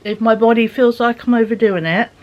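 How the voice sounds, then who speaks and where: A woman's voice: a little high, steady tone, brisk, dull audio. A woman vlogging from home into a phone at arm's length, chatting in a rambling way with lots of fillers and dips into whispers, her voice sounding tired. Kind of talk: chatty vlog monologue.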